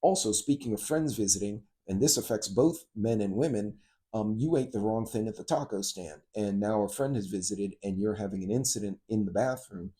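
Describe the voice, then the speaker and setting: A man's voice: on the low side, moderate pace, warm tone. A middle-aged man hosting a casual vlog, talking in a rambling, conversational way with frequent asides and practical advice. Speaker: host of a preparedness and travel channel.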